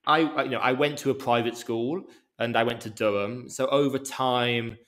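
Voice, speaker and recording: A man with a mild Birmingham accent talks through a casual interview at a medium pitch. He speaks deliberately and a touch slowly, picking his words carefully for international listeners. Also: fairly even intonation, a bit bright. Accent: mild Birmingham English. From England. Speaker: yoga teacher, podcast guest.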